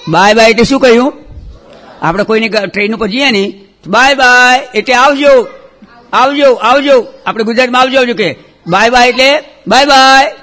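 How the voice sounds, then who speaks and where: A man teaching children a religious lesson, chanting terms loudly for them to repeat, then dropping to quick, quiet scolding. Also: very high-pitched. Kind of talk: call-and-response chanting lesson.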